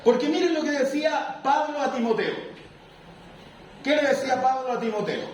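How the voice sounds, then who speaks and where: Animated preaching pastor in echoey church. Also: male voice, extremely high pitch, normal speed. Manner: lively, animated preaching with acted quotes. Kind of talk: sermon. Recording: echoey room, mic far off.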